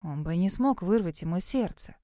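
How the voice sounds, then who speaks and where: A woman's voice: lowish voice, expressive, moderate pace, dark tone, no room sound, close to an everyday voice. A woman voicing the heroine's blunt friend, who grumbles in a dry, scornful way. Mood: grumbling.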